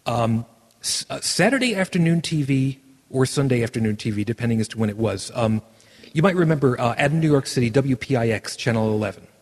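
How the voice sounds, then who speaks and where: A man's voice: medium pitch, animated, a little fast. A man hosting a podcast in a casual chat, rambling with many restarts. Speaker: podcast host. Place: virtual world broadcast. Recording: echoey, washed-out room sound.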